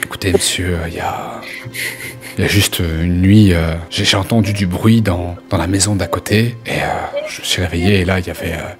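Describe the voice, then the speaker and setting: A man's voice: low voice, steady tone, a little fast. A man acts out a portly innkeeper in his fifties for a tabletop game. He is eager to please and easily worried, hesitating and doubling his words. Music plays underneath. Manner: deferential, hesitant, repeats himself. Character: plump balding innkeeper in his fifties, eager, obliging, anxious. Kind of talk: improvised tabletop roleplay dialogue.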